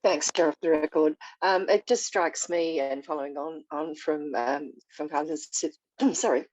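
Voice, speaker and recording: A woman's voice: low voice, fairly even intonation, measured pace, a little mellow, no echo, rough recording. A woman speaking at an online forum over a video call, losing her voice, offering rambling, hedged remarks with many fillers. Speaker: forum participant. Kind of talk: meeting remarks.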